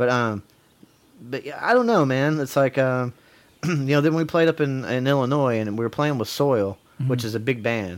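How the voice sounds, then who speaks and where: Speaking with an East Tennessee accent, a man keeps a moderate pace and a medium pitch with ordinary pitch variation. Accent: East Tennessee Southern US. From East Tennessee (Greeneville). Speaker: rock bassist. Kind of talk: casual chat.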